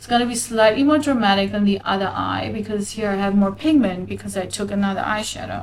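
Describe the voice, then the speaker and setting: A woman talks at a very fast pace with hardly any pauses. Audible room echo and noticeable background noise surround her voice. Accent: German. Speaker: makeup artist. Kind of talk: live makeup tutorial. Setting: live stream studio.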